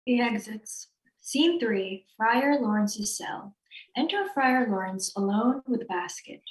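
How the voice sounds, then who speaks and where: A woman reads stage directions plainly as narrator, at a slow pace. Her voice is fairly high and the sound is roomy and echoey. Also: animated. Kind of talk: plain scripted reading.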